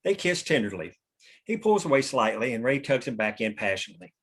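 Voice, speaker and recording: A man's voice: mid-range voice, very animated, fairly quick, fairly bright tone, slightly rough. A man reading stage directions as scripted narration at a table read.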